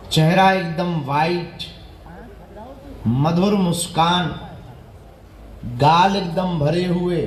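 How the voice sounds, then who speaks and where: Slow, echoing male spiritual teacher. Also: on the high side, a little hiss or hum. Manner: slow, measured, repeating rhetorical questions. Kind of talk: devotional sermon with spiritual instructions.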